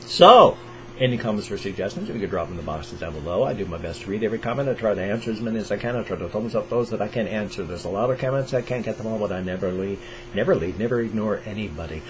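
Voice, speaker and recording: An older man from the Pacific Northwest with a Pacific Northwest American accent, chatting enthusiastically to camera as a reaction video host, deliberately slowing his speech and holding his voice in a higher register. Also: expressive, fairly bright tone, a little hiss or hum, poor audio. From Pacific Northwest, USA. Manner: enthusiastic, keeps voice raised to a higher register, speaks slowly on purpose. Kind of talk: casual chat to camera. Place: small room at home, indoors. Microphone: over-ear headset.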